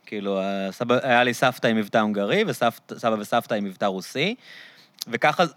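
A man's voice: medium pitch, expressive, fairly bright tone, no room sound. An Israeli-accented man speaks in a mid-range voice, recorded dry. He interviews casually, jumping in with explanations and checking for agreement.

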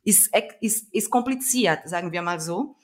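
Speaking at normal speed with an animated, medium-pitched voice, an activist guest with a Brazilian Portuguese accent talks through a conversational interview. She comes across as earnest and emphatic, though she searches for words.

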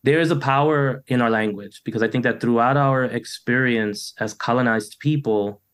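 A man's voice: mid-range voice, moderate pace, a bit bright, clear, resonant tone. A middle-aged man, talking in a reflective interview over a video call, with a loose flow full of "you know" and restarts. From United States. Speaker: poet, interview guest.

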